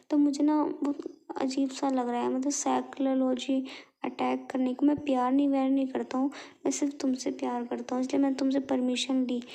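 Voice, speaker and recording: A young woman in a casual relationship argument on a call, explaining herself haltingly and often rephrasing. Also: high voice, vocal fry, warm tone. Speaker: girlfriend in a couple's call.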